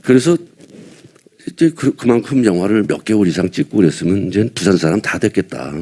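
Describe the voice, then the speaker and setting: Older man from Seoul, low voice, husky, mellow, rambling casual talk, self-deprecating. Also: expressive, fairly quick. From Seoul, South Korea. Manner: rambling, self-deprecating, chuckling between thoughts. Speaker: veteran actor at a film press event. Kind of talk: casual press-conference chat.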